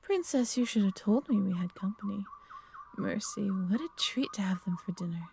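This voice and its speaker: Female dragon guardian, played by a woman: creaky voice, grandiloquent, suave, easily offended, fantasy audio drama. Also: medium pitch, lively intonation, normal speed, darkish tone, slight background noise. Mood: suave, teasing. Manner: theatrical, teasing, grandiloquent. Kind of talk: fantasy audio roleplay acting.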